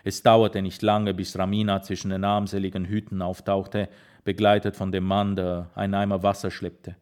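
A man narrating an audiobook in a measured storytelling manner. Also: low-pitched, little pitch movement, darkish tone.

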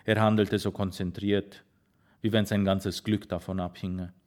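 A man narrating an audiobook in a measured storytelling manner. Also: sits low, level tone, a little mellow.

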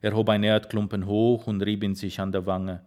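A man narrating an audiobook in a measured storytelling manner. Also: fairly low pitch, level tone, a little mellow.

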